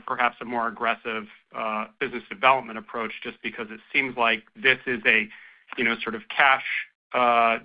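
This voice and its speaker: A male financial analyst asking a question on an earnings call, with hesitant phrasing over a dull phone line. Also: medium pitch.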